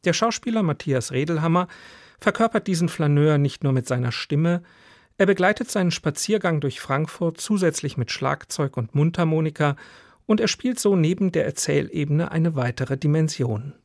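A man reading a scripted radio introduction as announcer, in a measured, formal manner. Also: a little high, lively intonation, dry recording, clean studio sound. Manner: measured, formal read delivery.

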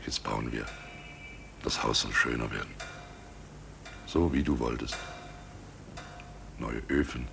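Very deep, gravelly, scheming innkeeper. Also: male voice, a bit bright, slight background noise, full character voice. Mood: soothing, persuasive. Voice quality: gravelly, husky. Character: guilt-ridden village innkeeper, wily, nervous, falsely jovial. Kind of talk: German radio play acting.

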